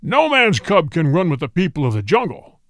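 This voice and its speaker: A man's voice: fairly high pitch, wildly swooping pitch, normal speed, a bit bright, dry recording, clean studio sound, heavily acted. A man voicing a huge male tiger, full of hate and bullying, roaring his demands in a storybook reading. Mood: roaring, hateful.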